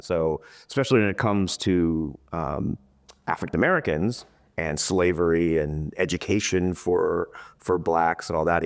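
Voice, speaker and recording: A man with a low voice gives a relaxed, informal interview. He tells things in a loose, rambling storytelling way, dropping in quoted asides as he explains. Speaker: interview guest, town crier and tour guide. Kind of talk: casual conversational interview.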